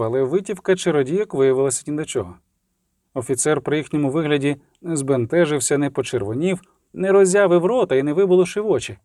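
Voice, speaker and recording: A man narrating an audiobook in a steady, even storytelling manner. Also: on the high side, dry recording, clean studio sound.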